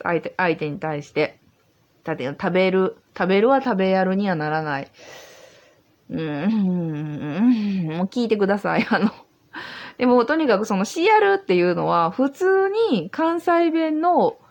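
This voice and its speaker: A woman's voice: mid-range voice, a little mellow. A tipsy woman with a Kansai accent hosts a solo podcast, chatting in an easygoing, rambling way from an old house. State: tipsy from drinking. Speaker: podcast host. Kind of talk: casual solo podcast chat.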